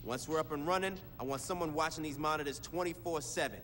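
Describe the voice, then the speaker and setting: An actor playing a blunt, sarcastic, foul-mouthed gang leader in a video game. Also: male voice, fairly high pitch, quick pace, a bit bright, slight background noise, close to an everyday voice. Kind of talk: video game cutscene acting.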